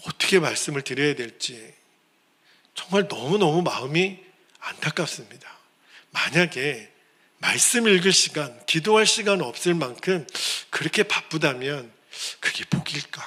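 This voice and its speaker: A man's voice: a little high, fairly bright tone. A male pastor preaching a sermon in an earnest, pleading manner, now and then acting out the people he quotes.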